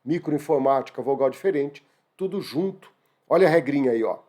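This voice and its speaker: Man, Brazilian Portuguese accent, online lesson, upbeat and exclamatory, mellow tone. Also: medium pitch, brisk. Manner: lively, exclamatory, addresses students as "gente". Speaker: teacher. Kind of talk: online exam-prep lesson.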